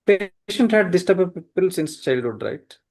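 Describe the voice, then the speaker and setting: A man's voice: sits high, animated, moderate pace, a little mellow. A man with a South Asian accent, a medical examiner teaching and questioning insistently on a webinar call. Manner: insistent, repeats questions, checks with "correct?".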